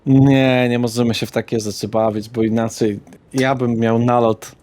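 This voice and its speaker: A man's voice: mid-range voice, level tone, moderate pace, a little mellow, dry recording, natural voice. A man playing a casual, streetwise dealer in a vampire underworld tabletop game, with curt colloquial speech. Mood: businesslike.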